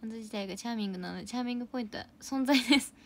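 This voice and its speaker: Talking very fast in a high-leaning voice, with a little background noise, a young woman runs a casual idol livestream. Between reading out viewer comments and thanking fans for gifts, she frequently drops into soft, whispered asides.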